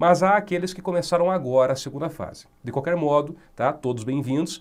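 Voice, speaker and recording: A man with a Curitiba accent, lively intonation and a fairly quick pace. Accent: Curitiba accent, clear final E. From Curitiba, Paraná, southern Brazil. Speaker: law professor. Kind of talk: video lecture. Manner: conversational, friendly.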